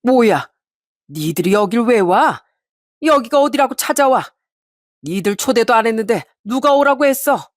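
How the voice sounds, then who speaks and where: A woman's voice: a little high, lively intonation, moderate pace, long pauses, dry recording, voice pushed up, natural voice. Woman narrator doing an arrogant, sneering older uncle for an audio story, heard close and dry. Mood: hostile. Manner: sneering, scornful. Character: rude arrogant uncle in his sixties.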